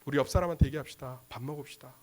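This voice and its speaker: A male pastor preaching a sermon with passion, swinging between loud exclamations and hushed lines. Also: medium pitch, fairly even intonation, rapid-fire.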